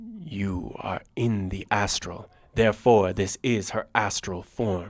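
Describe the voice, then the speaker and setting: Putting on a character voice, a man speaks in a fairly low pitch at a fairly slow pace. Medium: read story. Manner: calm, commanding.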